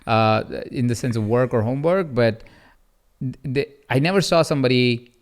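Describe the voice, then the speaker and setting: A man in his thirties hosting a coaching podcast, telling personal stories and acting out quotes in an animated way. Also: moderate pace, smooth. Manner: animated, acts out quotes with rising pitch. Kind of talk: conversational storytelling.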